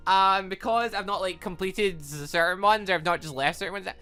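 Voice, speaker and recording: A video host giving casual, excitable, rambling commentary while playing a game. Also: medium pitch, a little fast, clean tone, soft background music. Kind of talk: casual let's play commentary.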